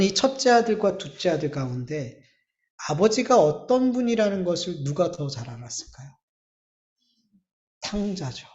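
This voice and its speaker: A male pastor preaching a sermon in a church, emphatic, with drawn-out pauses and rising bursts. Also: high-pitched, darkish tone. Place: church sanctuary. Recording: echoey church hall, slightly dull sound.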